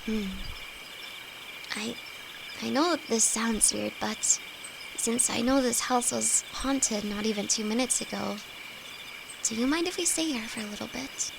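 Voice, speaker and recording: A woman with a creaky, medium-pitched voice plays a timid, affectionate young apprentice alchemist in an intimate fantasy audio roleplay, talking hesitantly to her best friend. She sounds relieved and tired, halting and soft-hearted. The noisy recording carries crickets and night forest ambience.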